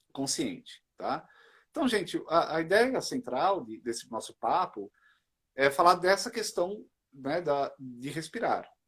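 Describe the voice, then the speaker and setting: Very wide pitch swings from a man's high voice at a very slow pace. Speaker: holistic therapist. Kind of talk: live online talk and breathing tutorial. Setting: live stream.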